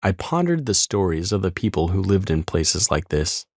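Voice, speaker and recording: A man's voice: low voice, very animated, normal speed, no echo, studio quality. An American man reading his own first-person travel audiobook in an informal, colloquial way.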